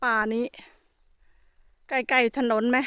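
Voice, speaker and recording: A woman's voice: slow pace, fairly bright tone, no room sound, studio quality. A woman with an Isan Thai accent chatting casually as she vlogs outdoors in a forest, exclaiming often. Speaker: vlogger. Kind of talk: casual vlog narration.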